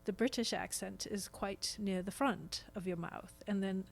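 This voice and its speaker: A woman's voice: mid-range voice, fairly even intonation, a little slow, creaky. Chatty woman, a podcast guest. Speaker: guest, stage actress. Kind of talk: casual podcast interview chat.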